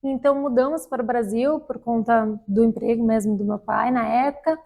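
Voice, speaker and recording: Woman in her thirties, relaxed interview guest, filler-heavy, raised pitch. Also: a little fast. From Germany, raised in Brazil. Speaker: guest, electrical engineer. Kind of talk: casual interview talk.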